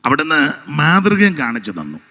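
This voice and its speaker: A man preaching a sermon with a hoarse voice, emphatic, counting out his points and making asides to the congregation, into an amplified microphone. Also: fairly high pitch, huge pitch swings, moderate pace, pushed and bright.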